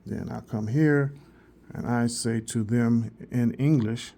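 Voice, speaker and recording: A man talks viewers through a new phone's translation feature in a loose, rambling vlog. He circles back and restarts his sentences, then earnestly tells people to go get one. His voice sits at an ordinary middle pitch. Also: steady tone, slow, gravelly, mellow. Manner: rambling and repetitive, with frequent restarts; earnest, directly urging viewers. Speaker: vlogger reviewing a phone. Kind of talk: casual product demo.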